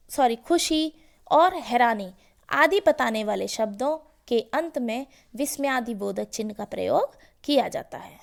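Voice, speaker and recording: Female teacher for a children's grammar lesson, high voice with some fry, asks questions and then answers them. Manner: slow, explaining with questions and examples.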